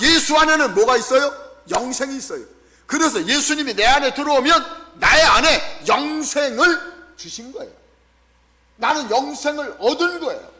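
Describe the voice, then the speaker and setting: Bright high-voiced preaching pastor. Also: male voice, long reverb tail. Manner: preaching with wide swings from hushed to loud emphatic calls; acts out voices of the thieves on the cross. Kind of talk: sermon.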